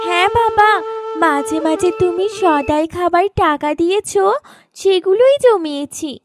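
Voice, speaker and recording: A woman puts on a clever young village girl for a cartoon. The voice is extremely high, eager and earnest, dry with faint music behind. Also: expressive, unhurried, no echo. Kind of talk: cartoon story dialogue.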